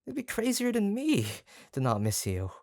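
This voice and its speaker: An actor playing an obsessive, doting yandere kidnapper in a roleplay audio drama, halting and coaxing, tender yet menacing. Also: medium pitch, huge pitch swings, gravelly, a little mellow, no room sound, studio quality. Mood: gushing, insistent. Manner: halting, gushing, coaxing, with nervous stammers. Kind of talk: roleplay audio drama, intimate one-sided monologue.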